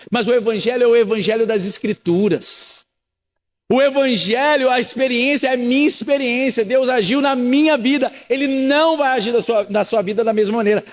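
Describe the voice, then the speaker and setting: A man in his thirties preaches a sermon in a high, bright voice. His talk is earnest and conversational, and he keeps circling back with rhetorical questions and repeated phrases. The church around him leaves a long, ringing tail of reverb. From Rio de Janeiro, Brazil. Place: church sanctuary.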